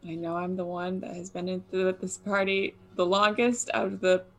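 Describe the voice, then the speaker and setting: A woman's voice: on the low side, little pitch movement, moderate pace, a bit bright. A woman voicing a weary female adventurer who has been with her party the longest, trailing off in exasperation. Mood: exasperated.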